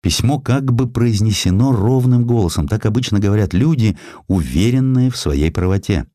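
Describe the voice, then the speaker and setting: A man with a very low voice narrates literary prose as a dramatic audiobook. The recording is close and dry, with no room sound around the words. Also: expressive, moderate pace, dark tone, no room sound.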